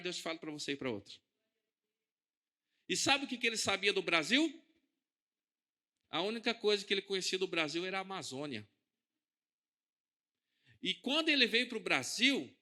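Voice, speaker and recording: A man with a Brazilian Portuguese accent preaching a sermon in a church. He talks in a conversational way, asks the congregation questions and swings between soft and loud. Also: high-pitched. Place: church hall.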